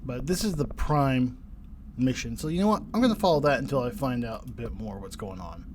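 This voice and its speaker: A man's voice: medium pitch, expressive, fairly quick, background noise. A young man streaming a game live, his voice a bit stuffy and sinusy, musing to himself and tossing wry asides to his chat. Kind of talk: casual live-stream commentary. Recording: game music underneath.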